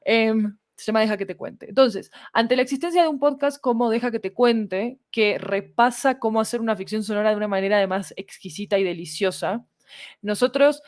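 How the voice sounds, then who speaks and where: A woman's voice: fairly high pitch, fairly quick, no room sound, clean studio sound. A woman explaining things conversationally as a podcast guest, discursive and often checking in with short tag questions. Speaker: podcast guest, fiction audio producer.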